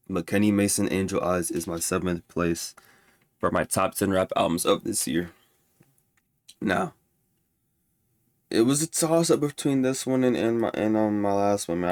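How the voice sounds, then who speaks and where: A man's voice: low voice, no echo. A man with a stuffy nose ranking music albums in casual, rambling talk full of restarts and fillers. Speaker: music reviewer.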